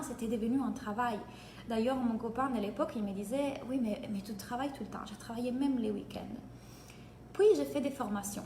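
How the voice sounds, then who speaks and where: A woman from Italy with an Italian accent, giving an energetic live-streamed coaching session in French and greeting viewers by name. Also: fairly high pitch, slight background noise. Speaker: business coach. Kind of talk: live-streamed free training. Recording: echoey room, faint ambience.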